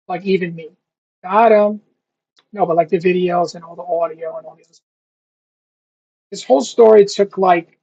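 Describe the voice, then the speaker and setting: Young man, husky voice, casual rambling self-talk, sounds out words slowly, middle pitch, dull lo-fi audio. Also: darkish tone. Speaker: language learner vlogger. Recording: dull lo-fi recording.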